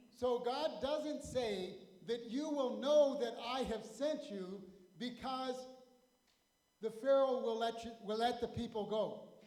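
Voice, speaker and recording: A man speaks at an extremely high pitch and a very slow pace. His pitch varies ordinarily, and audible room echo is present. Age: 60s. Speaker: pastor. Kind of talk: sermon. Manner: halting.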